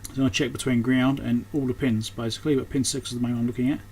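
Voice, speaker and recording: Man thinking aloud, clearly noisy recording. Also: mid-range voice, little pitch movement, very fast, a little mellow. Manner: unscripted, thinking aloud while working. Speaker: host of an electronics repair channel. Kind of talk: casual hands-on repair commentary.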